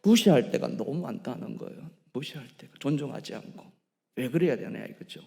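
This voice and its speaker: Animated Korean pastor preaching in a hall. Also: male voice, mid-range voice, fairly quick, creaky. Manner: animated preaching, rising to emphatic peaks and dropping to asides; asks the congregation frequent questions. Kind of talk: sermon. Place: church sanctuary.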